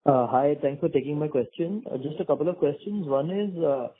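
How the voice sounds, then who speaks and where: A man's voice: a little high, brisk, husky. A man asking questions informally as an analyst on an earnings call. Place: conference call by phone. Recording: narrow muffled phone line.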